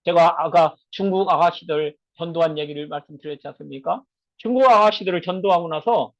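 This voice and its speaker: A male missionary preacher giving a sermon, telling a personal story emotionally and swinging between soft and loud delivery. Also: high-pitched, no room sound. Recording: dull lo-fi dry recording.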